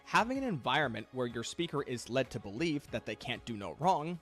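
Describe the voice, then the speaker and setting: Guy narrating a commentary essay, lively pitch, calm and critical, soft music under. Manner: measured, reflective, critical. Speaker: commentary channel host. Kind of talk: scripted video-essay narration.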